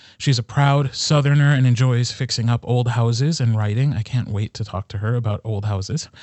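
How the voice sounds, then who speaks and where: A man's somewhat breathy voice at a fairly quick pace, with fairly even intonation and hardly any pauses. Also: medium pitch for a man. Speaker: podcast host and audiobook narrator. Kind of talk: casual chat.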